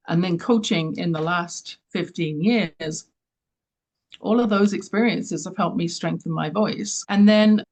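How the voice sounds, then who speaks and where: An older Englishwoman speaks as a guest on an interview. She is a leadership coach who talks with earnest conviction and leans into her key points. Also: fairly low pitch. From London, England. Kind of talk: interview answers.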